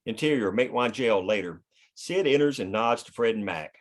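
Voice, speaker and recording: A man's voice: medium pitch, lively intonation, a little fast. A man reading scene headings and action lines as the narrator of a screenplay. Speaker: stage-direction reader.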